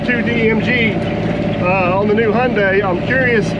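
A man talks against loud background noise. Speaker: excavation contractor. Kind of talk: casual vlog chat. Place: open country. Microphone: phone near.

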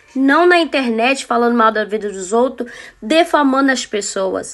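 A woman's voice with ordinary pitch variation and faint music in the background. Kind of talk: angry livestream message. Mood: indignant, scolding. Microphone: phone near.

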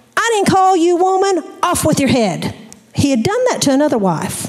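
With an animated tone, a woman speaks in very wide pitch swings. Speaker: preacher. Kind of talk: sermon. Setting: church. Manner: earnest, animated preaching with emphatic storytelling. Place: church. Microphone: handheld.

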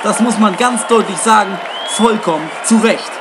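The speaker's tone is animated. Crowd noise fills the background. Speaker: sports reporter. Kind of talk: sports commentary. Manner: animated, punchy and colloquial, with jokes and vivid play-by-play.

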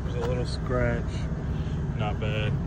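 Loud background noise surrounds a man's speech. His voice sounds dry, without any echo. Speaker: car salesman. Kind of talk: casual walkaround commentary. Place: street. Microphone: phone near.

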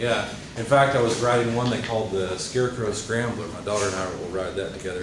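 A man talks at a moderate pace with ordinary pitch variation. Noticeable background noise and audible room echo surround his voice. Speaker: instructor. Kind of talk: lecture. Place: classroom. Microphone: camera far.

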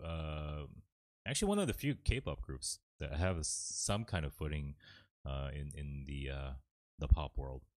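In a quiet background, a man speaks at a moderate pace with a very deep, low pitch. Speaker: livestreamer music commentator. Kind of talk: casual livestream commentary. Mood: disappointed, wry laughs. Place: home room. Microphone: studio mic.

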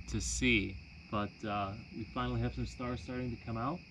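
The tone is bright and sharp, the pace moderate, and there is noticeable background noise. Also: man. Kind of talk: casual vlog chat. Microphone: camera far.

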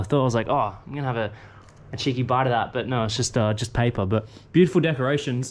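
Speaking at a very fast pace, a man with an Australian accent shows ordinary pitch variation. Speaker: travel vlogger. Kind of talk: casual travel vlog narration. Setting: outdoors on the street. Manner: animated. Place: home room. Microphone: phone near.

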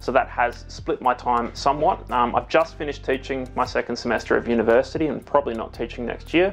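A man talks at a very fast pace with hardly any pauses. Faint music plays in the background. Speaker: channel host. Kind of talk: casual vlog chat. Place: home room. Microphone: lapel.

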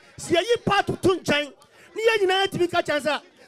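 A man with a Ghanaian accent, an extremely high pitch, lively intonation and a fairly quick pace, crowd noise in the background. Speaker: local party chairman. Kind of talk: political debate. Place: street. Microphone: handheld.

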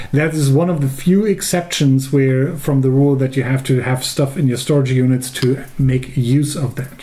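A man with a German accent talks at a moderate pace and medium pitch, his loudness very even, his intonation fairly even and his pauses few, over noticeable background noise. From Germany. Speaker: board game podcast co-host. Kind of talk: casual chat. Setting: studio. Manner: joking.

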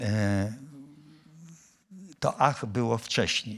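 A man talks very slowly, and the background stays quiet. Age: 70s. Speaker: photographer and book author; guest. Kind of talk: public talk interview; interview answer. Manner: halting. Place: stage. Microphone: handheld.

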